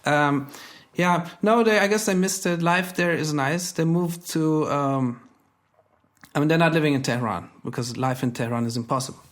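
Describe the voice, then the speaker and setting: A man in his thirties who grew up in Germany, a comedian guest in a casual conversation. His voice sits a little high for a man, and he jokes in a wry, deadpan way. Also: moderate pace. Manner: wry, joking deadpan delivery.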